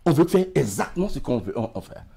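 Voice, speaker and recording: A middle-aged emigration expert with a West African French accent sits as a guest in a TV studio interview, recorded on a lapel mic. His mid-range voice is very animated and fast, mellow with a breathy edge and some vocal fry. He gestures widely and stumbles over repeated words.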